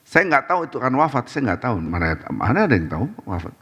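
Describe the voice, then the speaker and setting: A man giving a short mosque sermon, telling stories in a lively way, acting out the people in them, and sprinkling Arabic devotional phrases through his talk. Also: mid-range voice, fast, slightly rough. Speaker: preacher. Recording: long reverb of a mosque hall.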